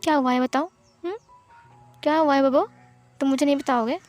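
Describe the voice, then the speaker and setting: A woman voicing a gentle protective young man. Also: high voice, a little fast, faint music behind, natural voice. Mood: caring. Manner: soothing, coaxing questions. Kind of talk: storybook reading.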